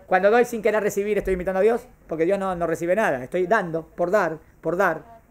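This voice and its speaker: A man's voice: high voice, fairly even intonation, a little fast. A man, teaching a class on Jewish thought, asking the class questions and answering them himself. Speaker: Torah teacher.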